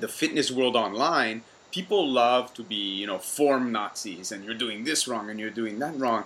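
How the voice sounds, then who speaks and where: A man speaks at medium pitch with a French accent. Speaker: podcast host, movement coach. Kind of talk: casual interview. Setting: video call.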